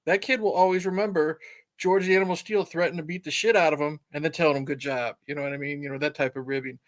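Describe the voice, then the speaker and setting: A man's voice: on the high side, fairly even intonation, very fast. A man hosting a casual interview, chatty and backchanneling, asking long winding questions. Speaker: interviewer, host.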